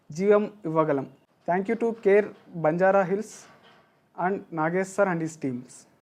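His voice sits high in pitch. The man's pitch moves in an ordinary way. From Andhra Pradesh, Anantapur district (Rayalaseema). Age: 20s. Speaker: heart transplant patient. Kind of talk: patient testimonial. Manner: halting, repetitive.

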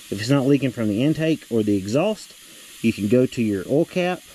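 In a dry sound with no echo, a man talks at a fairly quick pace with lively intonation. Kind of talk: tutorial. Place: open country. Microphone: phone near.

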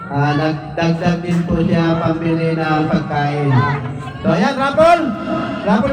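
Speaking very slowly, a man uses a high pitch and lively intonation. There is noticeable background noise and audible room echo. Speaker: vlogger running a children's Christmas party. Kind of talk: giving instructions to a crowd of children. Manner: loud, repetitive commands.

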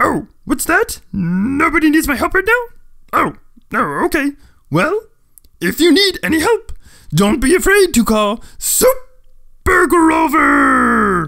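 Using a put-on character voice, a man speaks at an extremely high pitch. His pace is fairly slow. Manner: eager, deflated.

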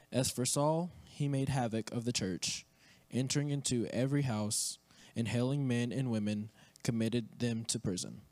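Faint music plays behind a man talking at a moderate pace in a medium pitch, with ordinary pitch variation and very even loudness. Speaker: scripture reader. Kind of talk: reading scripture aloud and praying. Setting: church. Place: church. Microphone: handheld.

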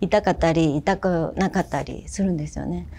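In a Korean accent, a woman speaks at a moderate pace with a dark, mellow tone. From South Korea. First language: Korean (speaking Japanese). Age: 40s. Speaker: beauty salon owner pitching for investment. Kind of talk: business pitch. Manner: halting with many fillers. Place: studio. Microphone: lapel.

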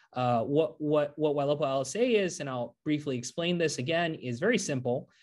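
Moderate pace from a man, with ordinary pitch variation against a quiet background. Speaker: presenter. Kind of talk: webinar presentation. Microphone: video call.

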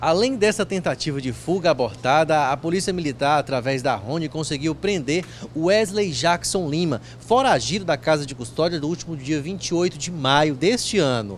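The voice moves at a moderate pace with lively intonation. The sound is dry with no echo, over light background noise. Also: man, fairly high pitch for a man. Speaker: TV news reporter. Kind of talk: TV news reading, scripted report. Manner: formal, steady, brisk newsreader delivery. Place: street. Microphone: handheld.

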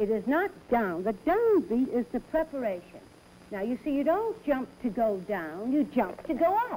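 Her high pitch moving in very wide swings, a woman speaks at a fairly slow pace over light background noise. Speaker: dance teacher. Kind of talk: teaching instructions, then interview answer. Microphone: old recording.

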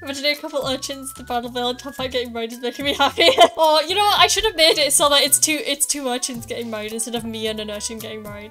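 A woman with a high pitch in a raised, projected voice at a very fast pace, lively in intonation with big swings in loudness, hardly any pauses and noticeable background noise. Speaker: speedrunner.

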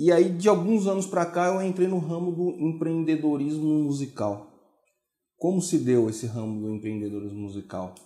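A man speaks at a moderate pace in a dark, mellow tone, his fairly high pitch swinging very widely. The background is quiet, though room echo can be heard. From Brazil, São Paulo state (Americana). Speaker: musician and entrepreneur. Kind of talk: interview. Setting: studio. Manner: hesitant, with repetitions. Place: studio. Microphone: lapel.

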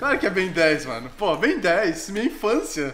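Faint music plays behind a man talking at a moderate pace with ordinary pitch variation. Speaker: youtuber. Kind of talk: casual vlog chat. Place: home room. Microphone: headset.

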